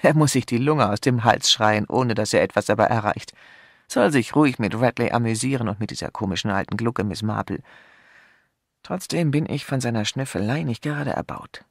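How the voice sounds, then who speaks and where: A polished, wary hotel manager, as a male audiobook reader plays him, speaking in smooth courtesies that turn sharp. The voice is gravelly and husky, recorded dry and close. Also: mid-range voice, fairly quick, no room sound.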